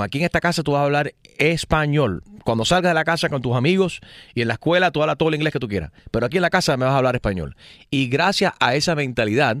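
A man hosting a morning radio show, lively, switching between Spanish and English. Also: mid-range voice, no room sound, clean studio sound. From United States. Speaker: radio host. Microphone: studio mic.

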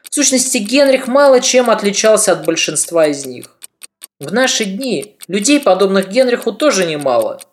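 A woman narrating a history podcast in a measured, reflective storytelling manner. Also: mid-range voice, big pitch swings.

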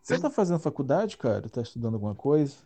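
A man's voice: mid-range voice, very animated, quick pace, dark tone. A man hosting a podcast, asking friendly questions in a casual interview chat. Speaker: podcast host.

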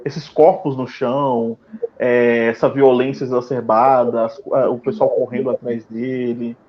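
A man's voice: medium pitch, flat delivery, unhurried. A man chatting informally about a film, acting out his own reactions as he goes. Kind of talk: casual film discussion. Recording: dull lo-fi audio with background noise.

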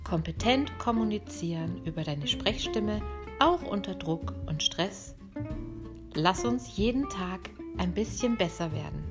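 A woman hosts a podcast as a voice coach, talking straight to the listener in a lively, friendly way and showing the examples with her own voice. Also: fairly low pitch, unhurried, over music. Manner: lively, addresses listener directly, demonstrates voice examples.

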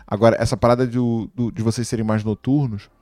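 A man hosting a casual chat, talking in a relaxed, slangy way with frequent laughs. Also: mid-range voice, a little fast, no room sound.

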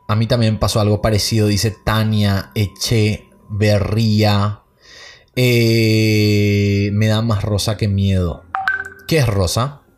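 A man's voice: lowish voice, darkish tone. A man hosting a podcast, reading listener stories aloud and then chatting casually about them. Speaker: podcast host.

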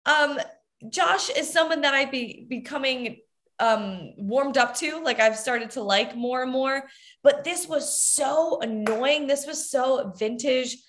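A woman's voice: high voice, takes it slowly. Candid woman co-hosting a reality aftershow. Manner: candid, swears freely, animated when heated. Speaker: podcast co-host. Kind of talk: casual aftershow chat.

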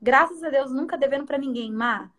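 A middle-aged woman runs a salon and is a guest in a relaxed interview. Her voice sits high. She tells her stories with lots of life and slips into the voices of the people in them. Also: a little fast. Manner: animated storyteller who acts out others' lines. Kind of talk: casual storytelling chat.

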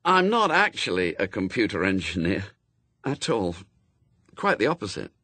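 A man's voice: on the low side, very animated, moderate pace, bright, forceful tone, no room sound, exaggerated voice. A man voicing a hapless, gloomy, awkward man with a hesitant, wordy, apologetic way of talking in a storybook. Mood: defensive, unsure.

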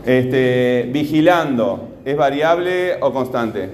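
A man's voice: medium pitch, expressive, slow, a little mellow. Male teacher, patient, fond of fillers, recorded in a roomy classroom with faint background hiss. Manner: patient, repeats phrases, fillers like "este". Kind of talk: classroom grammar lesson.

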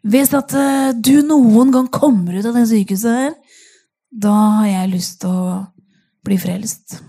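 Frail woman in her thirties, hospital roommate, eager, excited, higher voice, as a woman quotes her. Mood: hesitant.

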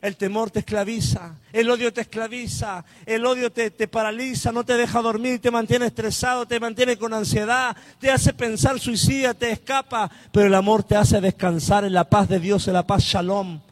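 A man's voice: high-pitched, level tone, normal speed, few pauses. A man preaching an emphatic sermon, calling on the congregation to repeat words after him.

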